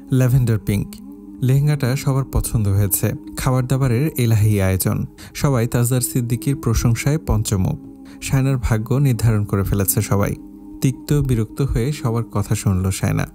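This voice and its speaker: A man narrating an audio story in a steady, measured reading style. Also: mid-range voice. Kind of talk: scripted narration. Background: faint background music.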